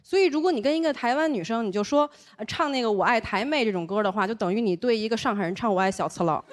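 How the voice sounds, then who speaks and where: Animated high-voiced woman with Beijing accent. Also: quick pace. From Taiwan. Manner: playful, animated storytelling with a drawling northern twang. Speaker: stand-up comedian. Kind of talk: stand-up comedy set.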